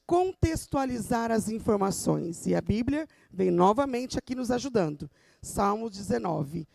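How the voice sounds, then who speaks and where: A woman with a hoarse, low voice, a teacher giving an emphatic church talk in Brazilian Portuguese. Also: darkish tone, no room sound. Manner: emphatic, teacherly, addresses the audience.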